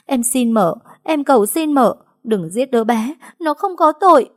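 A frightened young woman pleading through tears, her voice pushed high and strained, as a woman reader acts her out. She begs over and over in a shaky, desperate way. The reading has a storybook, audio-drama feel. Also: expressive, moderate pace. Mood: begging. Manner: begging, tearful and high.

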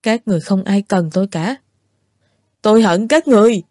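A woman's voice: medium pitch, expressive, normal speed, mellow, no echo, clean studio sound. A woman voicing a drunk, petulant young man who accuses his lover of not caring, in a storybook reading. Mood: accusing. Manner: sulky, accusing reproaches.

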